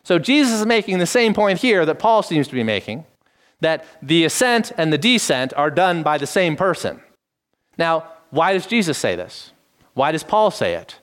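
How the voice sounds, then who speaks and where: A middle-aged man preaching, teaching in a measured tone and lifting his voice to stress key phrases. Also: fairly high pitch, very animated, a bit bright. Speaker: pastor. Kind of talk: expository sermon.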